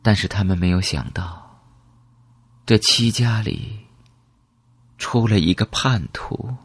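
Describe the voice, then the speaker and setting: A man voicing a calm, secretive elderly woman who reminisces in a measured, wistful way in an audiobook. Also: low-pitched, husky, dry recording, full character voice. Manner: slow, measured, reminiscing with rhetorical questions.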